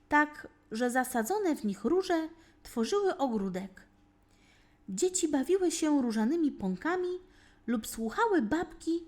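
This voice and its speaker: Woman storyteller, high voice, very lively intonation, dramatic deliberate phrasing, scripted children's narration. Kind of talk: scripted narration, expressive bedtime-story reading.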